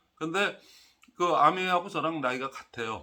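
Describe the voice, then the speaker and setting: Talking at a fairly quick pace, a man uses a plain, everyday voice with lively intonation. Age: 60s. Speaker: network marketing lecturer. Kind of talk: lecture. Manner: conversational with many fillers.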